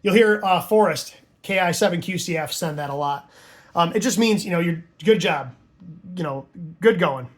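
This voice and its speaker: Male tutorial presenter, noticeably high pitch, informal and conversational, explaining step by step with casual asides. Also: moderate pace. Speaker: amateur radio instructor and operator.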